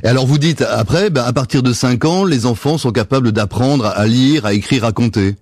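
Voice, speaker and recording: A man's voice: medium pitch, brisk, a little mellow, no echo, clean studio sound. A man with a French accent from France, presenting and interviewing as a radio host.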